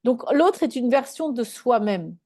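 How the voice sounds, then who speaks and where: Woman, spiritual talk, conversational teaching, higher voice, dry close sound. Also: expressive, measured pace, no echo. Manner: warm conversational teaching, checks in with listeners. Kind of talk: live online group talk.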